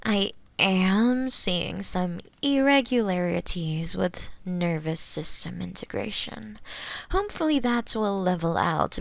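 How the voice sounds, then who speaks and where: A woman's voice: mid-range voice, dry recording. A woman playing a gleeful, coolly clinical female mad scientist in a scripted ASMR roleplay, musing with relish close to a binaural microphone. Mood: clinical, reassuring. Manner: unhurried, musing, relishing, with soft breathy hums and sighs. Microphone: close binaural microphone, dry.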